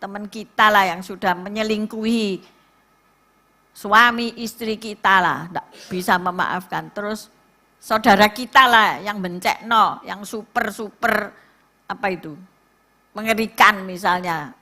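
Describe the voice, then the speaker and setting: A middle-aged woman pastor with a Javanese accent, preaching a sermon to a church and telling stories with lively asides to the congregation. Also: mid-range voice, unhurried. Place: church service.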